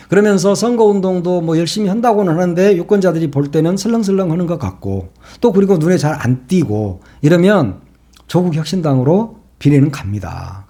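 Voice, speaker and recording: A man's voice: sits high, dark tone, husky. A man giving solo political commentary, opinionated and emphatic, often asking rhetorical questions.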